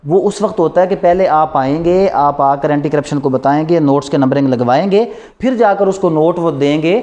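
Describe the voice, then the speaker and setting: A Pakistani man with a fairly high-pitched voice delivers a classroom law lecture. His manner is didactic, as he keeps putting short questions and then supplying the answers himself. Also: normal speed, warm tone, lo-fi sound.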